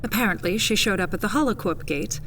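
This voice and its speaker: A woman's voice: mid-range voice, expressive, quick pace, a bit bright, distant mic, a little hiss or hum. A woman playing a polite, authoritative dignitary with formal manners in an audio drama. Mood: measured, guarded. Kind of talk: audio fiction drama acting.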